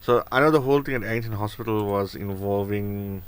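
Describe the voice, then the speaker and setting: An attorney takes legal questions on a live radio show. His voice is very deep, and he answers in a calm, plainly spoken way. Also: fairly quick, clear, resonant tone. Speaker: attorney, guest.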